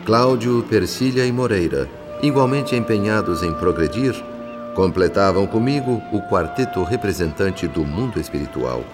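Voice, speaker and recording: An actor with a Brazilian accent playing a gentle, reflective spirit who narrates a radio drama in a measured, solemn way. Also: male voice, on the low side, animated, natural voice. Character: gentle, reflective male spirit narrator telling a family's story. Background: background music.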